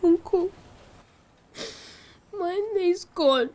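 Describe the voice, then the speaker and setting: A woman's voice: extremely high pitch, very slow, a little mellow, exaggerated voice. A woman playing a grieving orphaned young girl who pleads and sobs over and over. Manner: repeats pleas, sobbing. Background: music score.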